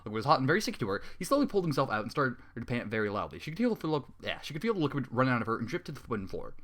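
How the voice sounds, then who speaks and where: A man reads a fan story aloud at a quick clip, his pitch swinging up and down. He keeps stopping to vent in exasperation, swearing openly between passages. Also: sing-song, a bit bright. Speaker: story reader. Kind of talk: dramatic reading with exasperated commentary.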